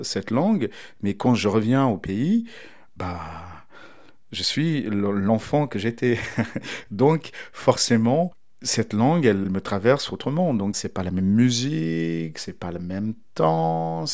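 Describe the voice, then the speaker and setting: A man's voice: medium pitch, gravelly, darkish tone. A man in his forties from Mozambique, giving a thoughtful interview answer and circling back to rephrase his ideas. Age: 40s.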